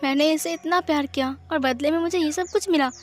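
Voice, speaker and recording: A woman's voice: sits high, fairly quick, close to an everyday voice. A woman voicing an angry young man who bitterly accuses his partner and family, in a sarcastic tone. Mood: bitter, accusing.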